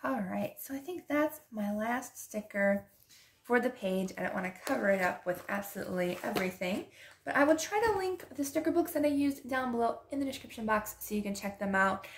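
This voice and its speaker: Decorating her planner, this journaling vlogger talks casually and softly, often dropping to a whisper and laughing a lot as her voice goes hoarse. She sounds a little high, animated, and a little fast.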